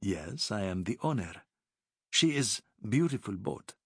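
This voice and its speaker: A man's voice: on the low side, sing-song, unhurried, a bit bright, breathy edge, dry recording, studio quality, full character voice. A man doing a proud, courteous Arab sea captain. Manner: formal, broken English, courteous. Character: proud, shrewd middle-aged Arab boat captain.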